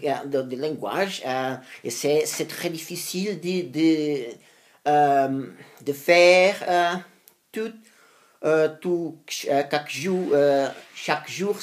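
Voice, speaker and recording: Slow, halting woman speaking as non-native beginner. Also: low voice, a little mellow. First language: not French. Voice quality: non-native, beginner French with frequent errors. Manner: halting, repeating phrases while searching for words. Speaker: language learner making practice videos for own channel. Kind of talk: unscripted monologue practicing a foreign language.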